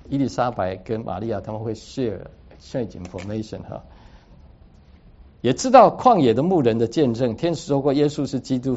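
A man's voice: lowish voice, dark tone, breathy edge. A man preaching a sermon, teaching through a Bible passage in an explanatory way and dropping English words into his speech. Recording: dull lo-fi recording.

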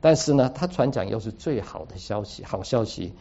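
In a dull, lo-fi recording, a man with a lowish, husky, warm voice preaches a sermon at a moderate pace, expressively explaining a Bible passage. He slips English words into his speech as he teaches.

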